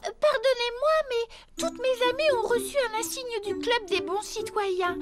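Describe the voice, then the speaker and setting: An extremely high, small girl's voice for a children's cartoon. She is timid and hesitant, very polite and earnest, always keen to please. Music runs underneath. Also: moderate pace. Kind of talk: French animated children's cartoon dub.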